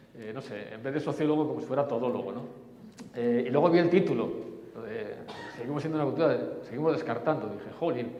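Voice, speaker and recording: A man at medium pitch, very fast, with big swings in loudness, noticeable background noise and audible room echo. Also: ordinary pitch variation. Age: 60s. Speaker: sociology professor. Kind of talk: lecture. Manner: hesitant, many fillers.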